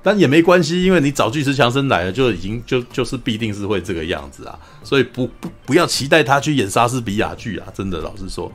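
A man's voice: mid-range voice, lively intonation, fast talker, hardly any pauses, fairly bright tone, soft background music. A man, chatting casually as a podcast co-host, rambling and laughing with mild swearing. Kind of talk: casual movie review chat.

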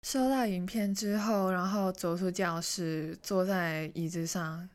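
Chatty young woman with hushed asides. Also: lowish voice, fairly even intonation, measured pace. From Hong Kong. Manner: chatty, self-mocking, drops into hushed asides. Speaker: vlogger. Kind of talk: casual personal storytelling.

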